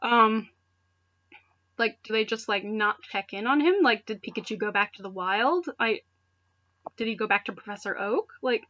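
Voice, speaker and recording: A woman's voice: a little high, moderate pace, pushed and bright, highs cut off. A woman reading fan fiction aloud in a mocking dramatic style, breaking off for casual, sarcastic asides. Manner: sarcastic, conversational, breaks off to comment. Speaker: reader of amateur fan fiction for videos.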